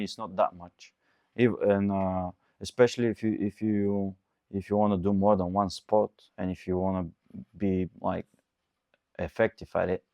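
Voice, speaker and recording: Young coach guy in his 20s, low voice, repeats himself for emphasis, dry sound. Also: darkish tone, no room sound. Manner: earnest, repetitive, emphatic. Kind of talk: motivational monologue.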